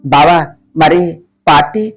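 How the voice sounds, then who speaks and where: A man's voice: fairly high pitch, takes it slowly, a bit bright, faint music behind, pitched below the performer's own voice. A woman voicing an eager, cheerful young man who pleads and talks with enthusiasm.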